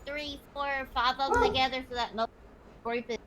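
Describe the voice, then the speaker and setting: A woman's voice: steady tone, moderate pace, heavy background noise. A woman streamer chatting casually, talkative and swearing freely. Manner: high-pitched, calls own voice annoying. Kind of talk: casual chat.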